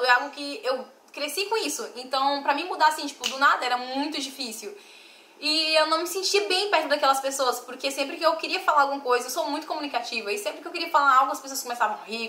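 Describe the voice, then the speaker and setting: A young woman from Bahia with a softened Bahian accent, telling her life story to viewers in a confiding, emotional vlog. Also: high voice, echoey room. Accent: softened Bahian Portuguese. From Bahia, Brazil. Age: young adult. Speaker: vlogger.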